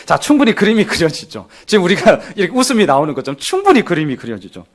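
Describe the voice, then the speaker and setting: A man preaching a sermon as pastor to his congregation, animated and acting out the voices of townspeople as he goes. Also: high-pitched, fast talker. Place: church sanctuary with congregation.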